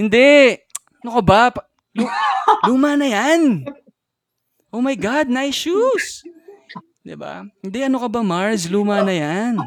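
A man at an extremely high pitch with lively intonation, a very slow pace, and long, frequent pauses. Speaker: stand-up comedian and podcast host. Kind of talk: stand-up comedy set. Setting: live audience. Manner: animated, punchy comedic delivery with crowd banter; casual Taglish, jokey pauses, play-off laughter.

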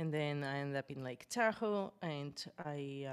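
A woman with a Bulgarian accent speaks in a very deep, low voice. Her intonation is lively. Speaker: business coach, founder. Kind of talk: interview. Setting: remote call.

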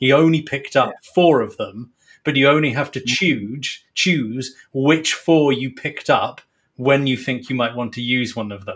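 Here is a man with an ordinary speaking voice at a medium pitch. He keeps a moderate pace and ordinary pitch variation. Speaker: podcaster. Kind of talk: casual interview chat.

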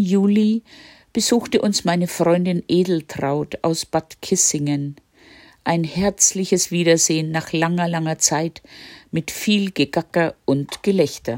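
On a very clean recording with a silent background, a woman speaks at a very slow pace and fairly low pitch. Her pitch varies in an ordinary way, and the sound is dry and close with no echo. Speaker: memoir author. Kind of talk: reading aloud.

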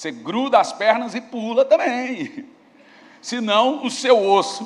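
This man speaks against noticeable background noise. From Brazil, Goiás (Goiânia). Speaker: pastor. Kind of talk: sermon. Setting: church.

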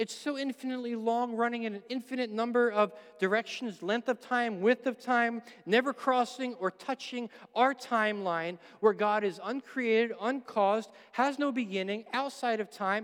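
A man's extremely high-pitched voice at a moderate pace, with fairly even intonation. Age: 40s. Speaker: pastor. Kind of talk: sermon. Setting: church.

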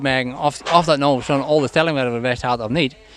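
This man's pitch sits at a medium level. He keeps his intonation fairly even. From Delfstrahuizen, Friesland. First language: Frisian (speaking Dutch). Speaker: farmhouse researcher. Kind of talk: interview. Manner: halting.

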